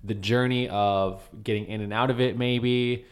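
A man's voice: mid-range voice, steady tone, moderate pace, clear, resonant tone. A man hosting a podcast, talking earnestly and encouragingly about his beliefs. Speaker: podcast host. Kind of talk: casual podcast talk.

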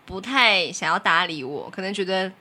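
A woman with a Taiwanese Mandarin accent, chatting casually as a podcast co-host, agreeable and quick to chime in. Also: fairly low pitch, animated, pushed and bright. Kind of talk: casual chat.

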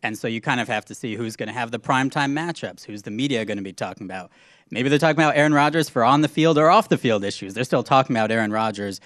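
A man guest on a sports betting podcast, talking through odds in a measured, analytical way. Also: medium pitch, fairly bright tone, no echo, studio quality. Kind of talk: casual podcast chat.

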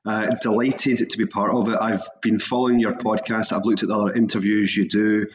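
A man's voice: on the low side, flat delivery, brisk, highs cut off. A Scottish man, a hospitality business owner, chatting as a podcast guest in a friendly, jokey way. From Scotland. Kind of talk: casual interview chat.

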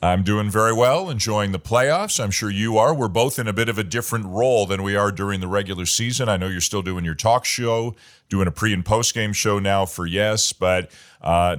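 A man hosting an interview, asking long, measured questions. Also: on the low side, a bit bright. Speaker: podcast host and baseball play-by-play announcer.

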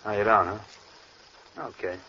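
A man's voice: on the low side, fairly even intonation, slow pace, creaky, sharp tone, exaggerated voice. A man playing an uncouth, impatient gangster sidekick with blunt, slangy tough-guy talk in a vintage radio crime drama. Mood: grouchy, impatient. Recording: very noisy, muffled old radio recording.

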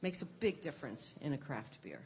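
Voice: medium pitch, very animated, a little fast, a little mellow, slight background noise. A speaker who runs craft beer classes, explaining them earnestly in casual chat with some fillers.

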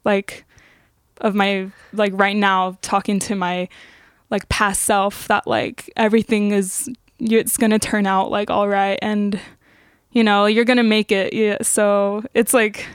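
A young woman talks casually as a guest in an interview. Her voice is very smooth and clean, and she speaks slowly and hesitantly, with "like" scattered through. The recording is dry. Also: mid-range voice, level tone, no room sound. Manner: hesitant, frequent "like" filler. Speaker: singer-songwriter guest.

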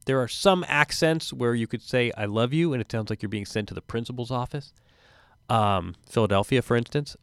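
A man's voice: mid-range voice, brisk, clean tone, no echo, studio quality. A man in his forties hosting a tennis podcast, chatty and wry, sounding a little stuffy from a cold. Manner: chatty, self-interrupting, wry asides. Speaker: podcast host.

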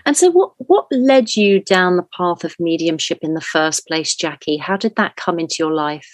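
A woman's voice: lowish voice, animated, moderate pace, no room sound. Effusive woman podcast host, dry sound. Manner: effusive, encouraging. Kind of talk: podcast interview.

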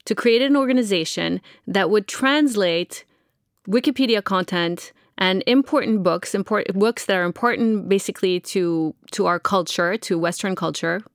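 A woman's voice: mid-range voice, moderate pace, dry recording, clean studio sound. A woman interviewer who asks curious questions and sums up the answers to check them. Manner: curious, summarizing and checking back.

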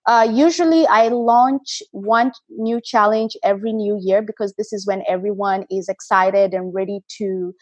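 A woman's voice: medium pitch, a little mellow, dry recording. Woman from kenya chatting as a podcast guest, lots of ums, dry close sound. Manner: halting, with frequent fillers. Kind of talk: casual interview chat.

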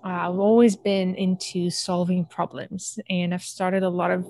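A woman from Algeria, an entrepreneur and podcast guest, telling her story in an animated way and laughing often. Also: on the low side, slight background noise. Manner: animated, laughs often, talks fast in bursts. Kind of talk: casual interview storytelling.

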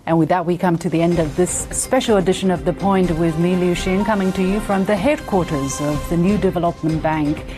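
A woman's voice: lowish voice, fairly even intonation, fairly quick, hardly any pauses. A woman TV news interviewer giving a formal, polished, scripted sign-off. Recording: music under the voice.

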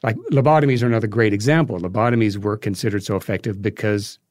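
A man being interviewed as a guest, explaining history in a conversational, halting way as he thinks aloud. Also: lowish voice, steady tone, a little mellow, no room sound, studio quality. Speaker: interview guest, filmmaker and podcast creator.

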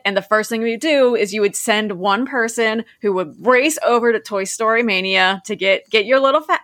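A woman's voice: medium pitch, fairly bright tone, no echo, clean studio sound. A woman co-hosting a podcast, telling a nostalgic story in a casual, chatty way. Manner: nostalgic storytelling, many "like" fillers. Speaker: podcast co-host.

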